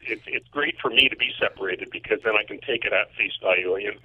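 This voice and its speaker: A man's voice: lowish voice, fast, husky, dry recording. A man calling in remotely as a guest composer, explaining his mixing work in casual interview talk over a narrow telephone line. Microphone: phone or remote call.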